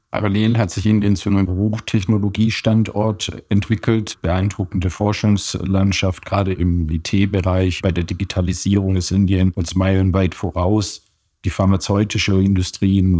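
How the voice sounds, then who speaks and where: A man speaking as a diplomat in an interview, measured and factual. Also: low-pitched, warm tone, breathy edge, no room sound, studio quality. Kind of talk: interview answers.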